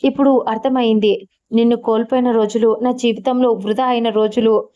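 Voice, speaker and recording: Woman reading a tender young lover, mellow tone, dull lo-fi sound. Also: on the high side, fairly even intonation, normal speed, close to an everyday voice.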